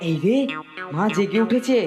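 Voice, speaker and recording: A high-pitched cartoon boy voiced by a man, greedy and sly, wheedling his way along with exaggerated delivery. Loud music plays under the voice. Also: lively intonation, moderate pace. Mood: sheepish. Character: gluttonous boy Haripada, greedy, sly, whiny when caught. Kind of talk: children's cartoon voice acting.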